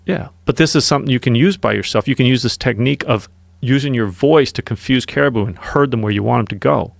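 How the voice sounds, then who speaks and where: A podcast guest, a man with a gravelly, fry-tinged voice, recounts hunting experiences in a casual, animated way. He is recorded close on a studio mic with a dry sound. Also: medium pitch, fast, dry recording. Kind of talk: casual storytelling.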